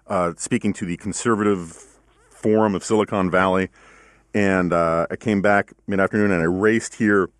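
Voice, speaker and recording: Podcast host: middle-aged man, deep voice, giggly laugh, rambling and self-deprecating, close dry sound. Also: fairly bright tone, no room sound. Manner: rambling, self-deprecating, many ums and uhs. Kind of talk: casual studio chat.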